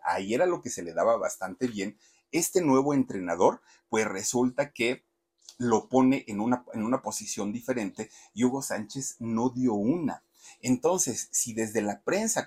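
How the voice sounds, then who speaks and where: A man's voice: medium pitch, darkish tone, husky. A man telling a story dramatically and speaking directly to his audience. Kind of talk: animated biographical storytelling.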